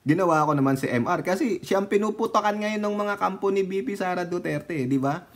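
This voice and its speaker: A Filipino man giving casual political commentary, chatty and teasing, laughing often and dropping from loud remarks to low asides. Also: fairly quick. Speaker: political vlogger.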